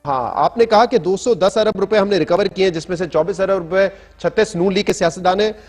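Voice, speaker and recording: High-voiced reporter, husky tone. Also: male voice, fairly quick, soft background music. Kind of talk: relaying a reply and asking questions.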